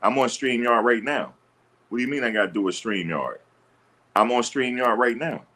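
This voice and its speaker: A man with a deep voice hosting a livestream, reading and answering chat comments in a blunt, assertive, combative way. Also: moderate pace, pushed and bright. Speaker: livestream host. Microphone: streaming setup.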